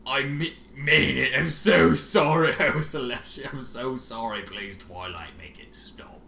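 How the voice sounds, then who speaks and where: A man's voice: mid-range voice, unhurried, gravelly, pushed and bright. A man voicing a desperate, tearful female pony in a story, stammering and crying out as she pleads. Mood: desperate pleading. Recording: roomy, faintly noisy home recording.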